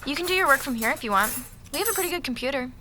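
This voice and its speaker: A woman's voice: high voice, lively intonation, very fast, pushed and bright, a little hiss or hum. An actress playing a spunky, teasing gamer in her twenties in an audio drama, with a breezy delivery. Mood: friendly, breezy. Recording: music clearly behind the voice.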